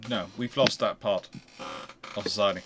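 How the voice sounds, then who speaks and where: Man with a bright voice, chatting. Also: on the low side, fairly even intonation, moderate pace. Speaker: host of a history discussion. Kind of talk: casual panel discussion.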